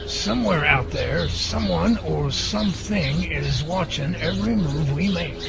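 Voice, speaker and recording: An actor playing an earnest, curious man who leads a team of creature researchers in an audio drama, speaking deliberately. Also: a little high, vocal fry, loud music behind the voice. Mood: uneasy. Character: earnest, curious male Bigfoot researcher leading his team.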